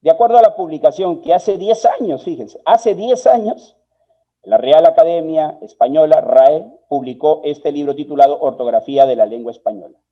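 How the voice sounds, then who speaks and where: A man from Peru gives an online workshop lecture on spelling and grammar, explaining each rule step by step. His voice sits a little high for a man. The stream audio is slightly dull and lo-fi. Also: expressive, normal speed. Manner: patient, explanatory, answers viewers' questions by name. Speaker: spelling and writing instructor.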